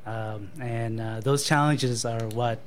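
A man answering interview questions at a mid pitch, slow to find his words, with pauses and fillers throughout. His tone is modest and reflective. Faint background noise sits behind him. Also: fairly even intonation. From born in Thailand to Cambodian parents, raised in Canada. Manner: hesitant, many ums and uhs, thoughtful pauses. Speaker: marketing manager and guest.

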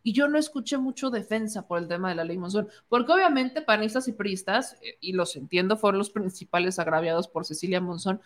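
A woman's voice: mid-range voice, a little fast, few pauses. A woman with a Mexican accent giving opinionated political commentary, indignant and sarcastic, mocking the people she quotes.

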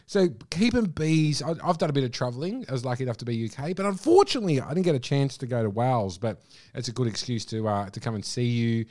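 Here the same Australian podcast host speaks in a mid-range, slightly mellow voice, animated and quick as he heaps praise on his guest while interviewing them remotely. There's no echo, and the audio is studio quality.

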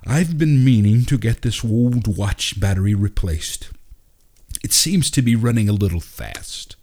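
A man's voice: fairly low pitch, lively intonation, a little slow, darkish tone. A man voicing a pompous male drama director in a storybook, with stiff, formal delivery. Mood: softened, sheepish.

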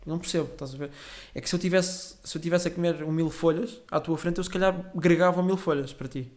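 A man's voice: on the high side, quick pace, a little mellow. A young man, telling a rambling, swearing, self-correcting story as a podcast host. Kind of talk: casual solo storytelling.

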